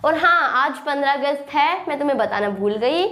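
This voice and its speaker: A young woman, teaching English grammar in a classroom style with a sore throat, repeating points and reading example sentences slowly. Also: high-pitched, lively intonation, pushed and bright. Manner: repetitive, checks understanding with "thik hai". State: sore throat with a slight cough. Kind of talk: classroom lesson, explaining with examples.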